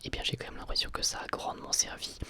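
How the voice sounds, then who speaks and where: A person giving a casual ASMR review in a soft, breathy, unvoiced whisper, hesitating and repeating words. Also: quick pace.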